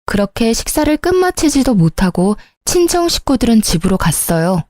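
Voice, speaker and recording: A woman's voice: a little high, sing-song, normal speed, darkish tone, no echo, studio quality. A woman telling a personal story as scripted radio narration, in a matter-of-fact manner.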